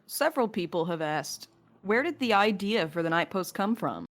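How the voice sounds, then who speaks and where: A woman's voice: medium pitch, expressive, moderate pace. A woman co-hosting a podcast in a casual question-and-answer chat. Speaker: podcast co-host and writer.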